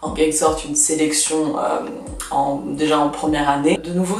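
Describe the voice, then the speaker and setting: A woman's voice: sits low, darkish tone. Twenty-something woman, chatty and blunt, echoey room, sounds a bit far from the mic. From Russia. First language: Russian. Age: 20s. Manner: chatty, frank, lots of fillers. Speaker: vlogger. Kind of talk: casual advice vlog.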